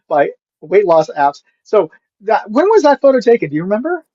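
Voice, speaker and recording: A middle-aged American man hosting a casual live chat, speaking haltingly and often repeating himself. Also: sits high, very animated, mellow, no room sound, lo-fi sound. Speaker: live show host. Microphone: USB microphone.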